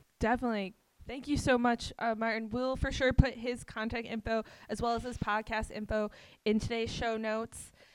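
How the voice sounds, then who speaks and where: This woman talks at a fairly quick pace in an upbeat tone. Her pitch sits fairly high. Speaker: podcast host. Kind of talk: casual interview chat. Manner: friendly, upbeat.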